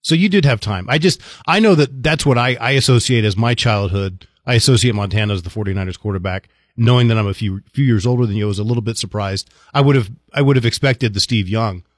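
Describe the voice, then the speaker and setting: A middle-aged man hosting a podcast, chatting casually and gently ribbing his guest. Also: on the low side, fast talker, hardly any pauses, no echo, clean studio sound. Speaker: podcast host. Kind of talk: casual interview chat.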